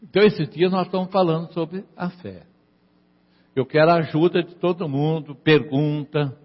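A man's voice: fairly high pitch, moderate pace, dull audio. Preaching man in an echoing hall. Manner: call-and-response preaching, repeating lines for emphasis. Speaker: pastor. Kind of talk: sermon.

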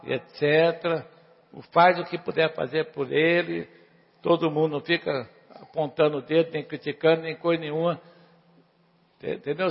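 In a high, husky, gravelly voice, a preacher animatedly retells a parable and fires questions at the congregation, urging them to answer louder. The audio is muffled and rings with a long hall echo.

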